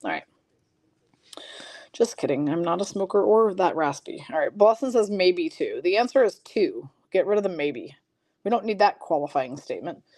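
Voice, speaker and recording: Her fairly low, slightly mellow voice moves at a moderate pace with lively intonation as she chats with viewers during a live-streamed card break, calling out card names and teams. There's a slight frogginess to her voice, and the studio-quality audio has no room sound.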